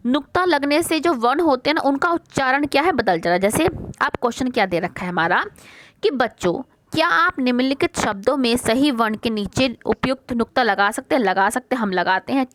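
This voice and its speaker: A woman teaching a worksheet lesson to young pupils. She asks a question, answers it herself, repeats the words slowly and calls the children "beta". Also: sits high, expressive, a bit bright, no echo. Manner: mixes English words like question, first into her talk.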